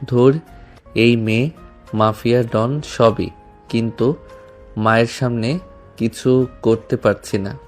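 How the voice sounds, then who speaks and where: An actor playing a shy, nervous young man who speaks in a hesitant, halting way in an audio drama. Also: medium pitch, steady tone, faint music behind. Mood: flustered.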